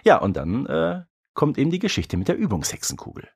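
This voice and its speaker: A podcast co-host reviews a story in loose, colloquial conversation, frequently adding tag questions to get agreement. His medium-pitched, slightly mellow voice swoops wildly in pitch, runs a little fast and carries vocal fry, with a bit of hiss or hum in the background.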